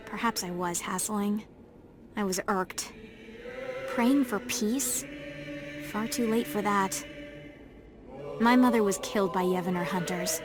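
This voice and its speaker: A woman's voice: mid-range voice, a little slow, long pauses, lightly acted. An actress playing a blunt, irked young woman envoy in a radio drama, confrontational and scornful. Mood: bitter, irked. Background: music.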